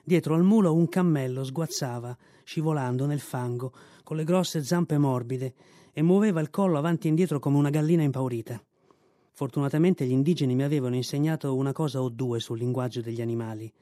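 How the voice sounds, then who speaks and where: A man reading a classic novel aloud in measured, clear storytelling narration, recorded in a radio studio. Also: medium pitch, warm tone, no echo. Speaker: reader. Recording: dry studio radio recording with faint music.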